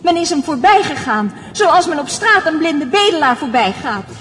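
An actress playing an earnest, grateful blind young musician, giving a formal, measured speech in a radio play. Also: female voice, high-pitched, very animated, a bit bright. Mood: earnest, solemn. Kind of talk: Dutch radio drama acting, addressing a concert audience. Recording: reverberant hall, faint crowd and noise.

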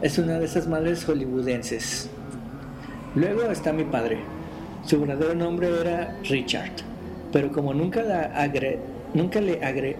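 A man's voice: a little high, noisy background. A man hosting a podcast, chatting casually and reading stories aloud. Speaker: podcast host.

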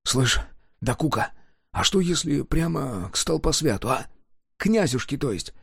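A timid, plain peasant woodcarver, glum and halting in speech, voiced by a man reading a fairy-tale novel. He talks warily and pleadingly, a touch above the reader's own pitch. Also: animated, creaky, breathy edge, dry recording, clean studio sound, heavily acted. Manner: hesitant, glum.

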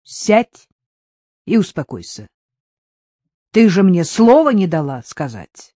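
A woman reading a calm, firm man. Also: lowish voice, no echo, studio quality, full character voice. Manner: level, measured explaining. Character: calm, firm middle-aged man, patient.

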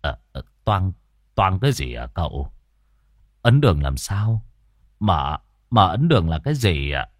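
A man's voice: low voice, very animated, a little slow, no room sound, clean studio sound, exaggerated voice. A man voicing Ông Đòn, an anxious older male village host who talks hesitant and stammering.

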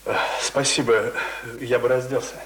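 A man's voice: mid-range voice, level tone, moderate pace, a bit bright, close to an everyday voice. Stiffly polite suitor played by a man, echoey. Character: formal, self-conscious male suitor come visiting. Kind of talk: Russian radio play acting. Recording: echoey noisy radio recording with clicks.

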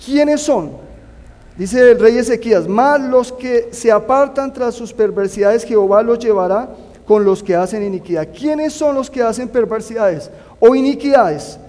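A man's voice: very high voice, expressive, a little slow, darkish tone. A man preaching a sermon, earnestly urging his listeners to put their trust in God. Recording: long hall reverb.

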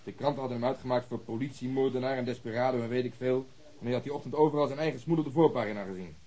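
A man plays a blunt cop in a radio crime drama. He rattles along quickly in a rough, husky voice, with colloquial phrasing and a sardonic, rebellious edge. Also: medium pitch, mellow, lightly acted. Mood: defensive. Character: blunt, sardonic male police detective with rebellious streak. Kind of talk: naturalistic radio drama dialogue.

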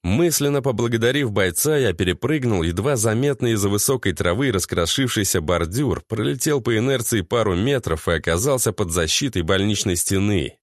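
Give me a man narrating an audiobook in a steady, measured voice, recorded dry and close. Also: on the low side, no echo. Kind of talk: first-person audiobook narration.

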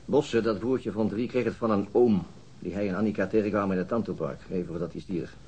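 A dogged police detective in a naturalistic radio drama. His voice is low and husky. He talks in a brooding, deliberate way, feeling for his words. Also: dark tone. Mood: dry. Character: dogged, troubled male police detective recounting his inquiry.

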